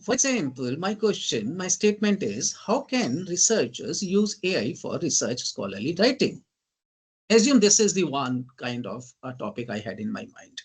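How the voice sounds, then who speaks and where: A man with an Indian English accent, giving an online teaching lecture. He keeps asking "right?" and often says "ladies and gentlemen.". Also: on the high side, very animated, moderate pace, breathy edge. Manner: lists terms in emphatic bursts. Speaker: guest lecturer.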